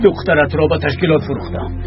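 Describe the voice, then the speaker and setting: A man's voice: on the high side, natural voice. An actor dubbing a guilt-ridden older man with a Tajik accent, speaking in an agitated, anguished manner. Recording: dull dub track with loud music.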